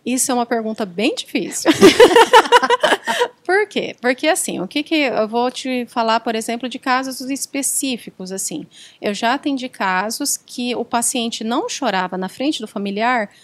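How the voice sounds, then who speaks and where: A woman's voice: fairly high pitch, animated, normal speed, few pauses, dry recording. A woman working as a hospital psychologist, answering interview questions in an explanatory way and often quoting patients and their families.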